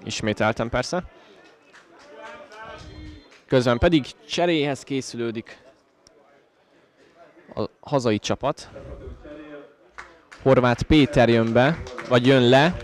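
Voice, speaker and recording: A man's voice: mid-range voice, long pauses, soft background music. A man with a Hungarian accent giving conversational live football commentary for the home team. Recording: outdoor stadium with crowd noise. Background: football crowd outdoors.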